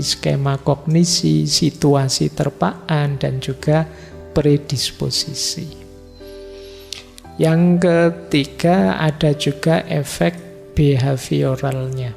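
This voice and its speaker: A man's voice: on the high side, creaky, a little mellow. A middle-aged man giving an informal lecture in a large mosque hall, talking conversationally and teasing his listeners with everyday examples. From Indonesia. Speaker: philosophy lecturer. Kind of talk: informal religious study lecture. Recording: long hall reverb with faint music.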